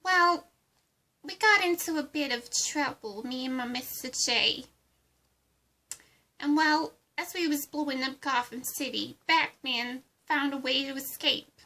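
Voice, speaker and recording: A woman playing a giddy, childlike clown villainess with a high, girlish voice and cutesy, singsong delivery in an amateur roleplay. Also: measured pace, bright, forceful tone, full character voice. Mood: chatty, aggrieved. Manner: cutesy, singsong, pet-name-dropping.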